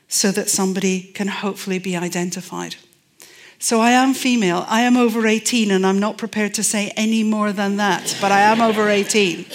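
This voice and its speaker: A middle-aged Scottish woman, a forensic anthropologist, giving a public talk and telling stories with dry humor and emphasis. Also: medium pitch. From Scotland.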